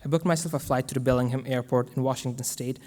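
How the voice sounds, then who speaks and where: A young man from Afghanistan, giving an earnest, measured prepared speech as guest speaker to a school audience. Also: mid-range voice, steady tone, darkish tone. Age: young adult. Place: large school hall. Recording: long hall reverb.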